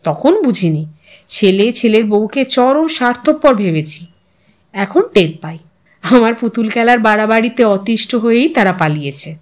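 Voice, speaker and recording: A woman's voice: on the high side, lively intonation, moderate pace, natural voice. A woman narrator plays an elderly widow in an audio story. She is resigned and wistful, confiding her life to an old friend in a musing, weary way. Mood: rueful. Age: older.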